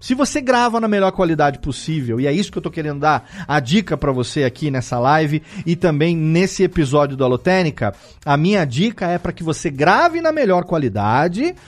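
Animated, lively-voiced host. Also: male voice, high voice. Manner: animated explainer, frequent "tá?" and "né?" check-ins; blunt and opinionated, swears casually. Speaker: podcast host. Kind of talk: casual live-stream talk on audio production.

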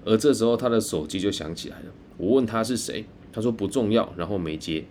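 Low-voiced Taiwanese man telling a story. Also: a little mellow, a little hiss or hum. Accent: Taiwanese Mandarin. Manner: earnest, tense retelling with drawn-out particles. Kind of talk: first-person storytelling.

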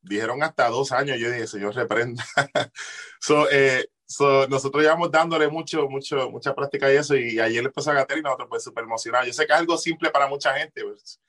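A man's voice: mid-range voice, fairly quick, a bit bright. A man from Puerto Rico with a Puerto Rican accent, a musician guest chatting casually, jokey and slangy, dropping in English words. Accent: Puerto Rican Spanish. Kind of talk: casual chat.

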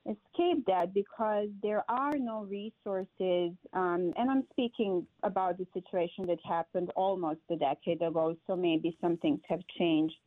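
A woman from Serbia, a survivor turned advocate, speaking earnestly in an interview with frequent pauses. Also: on the low side, no room sound. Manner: earnest, reflective, with hesitations. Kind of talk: remote interview. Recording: dry tinny call audio.

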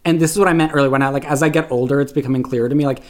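A man's voice: medium pitch, fairly even intonation, very fast. A young man from Canada telling stories in casual podcast chat, peppering his speech with "like". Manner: chatty storyteller, constant "like". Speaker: podcast guest.

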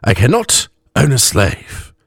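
A man voicing an earnest, drunken old elf cleric with slurred, halting speech and an invented elvish accent. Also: mid-range voice, wildly swooping pitch, slightly rough, no room sound, clean studio sound, pitched above the performer's own voice, full character voice. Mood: earnest, tipsy. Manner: halting, stumbling over words. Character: drunken two-hundred-year-old male elf cleric, earnest, rambling.

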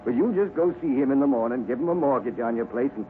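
An actor playing a smooth, self-satisfied rich colonel who talks in a hearty, chuckling, ingratiating way, in 1950s radio drama style. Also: male voice, mid-range voice, animated, quick pace, close to an everyday voice. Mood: jovial. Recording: narrow, hissy 1950s radio broadcast.

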